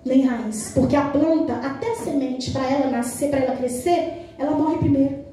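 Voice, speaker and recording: A Brazilian woman preacher delivering a sermon, telling stories with lively acted-out dialogue. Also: sits high, moderate pace. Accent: Brazilian Portuguese. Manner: animated storytelling, acting out quoted dialogue. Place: church hall. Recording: very echoey church hall, mic at a distance.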